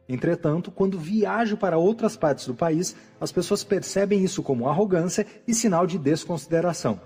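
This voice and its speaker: A man reads a nonfiction audiobook in a steady, instructive way. His voice sits fairly high yet sounds warm and mellow. Faint music plays quietly beneath the narration. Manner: calm, even, instructive reading.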